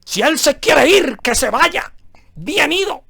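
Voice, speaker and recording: A man imitating a sugary woman preacher flattering her flock, in a mocking sing-song. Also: very high-pitched, takes it slowly, creaky, pitched above the performer's own voice, heavily acted.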